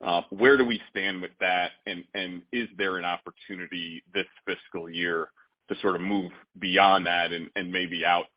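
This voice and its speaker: A man's voice: deep voice, steady tone, moderate pace. A man speaking as a financial analyst on a conference call, phrasing his questions tentatively. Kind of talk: asking questions on earnings call. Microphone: conference call line. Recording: dull conference call line.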